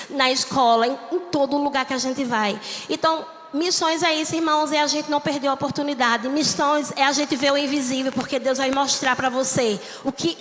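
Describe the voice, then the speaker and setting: Impassioned high-voiced woman preacher. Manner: impassioned, repetitive cadence, rising to shouts. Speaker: missionary preacher. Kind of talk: Pentecostal-style sermon. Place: church sanctuary. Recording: long church hall reverb.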